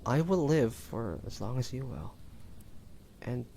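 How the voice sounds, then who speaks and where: A man playing a tender, devoted hunter turned immortal in an intimate audio roleplay, speaking haltingly and emotionally to a lover. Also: mid-range voice, big pitch swings, mellow, slight background noise. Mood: tender, earnest. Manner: halting, emotional, breathy sighs and whispers.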